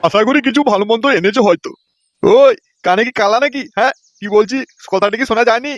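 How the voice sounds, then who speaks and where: A man's voice: high voice, fast talker, no echo, faint music behind, close to an everyday voice. A man playing a suspicious, bullying older householder in a comedy cartoon, scolding indignantly. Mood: impatient, bossy.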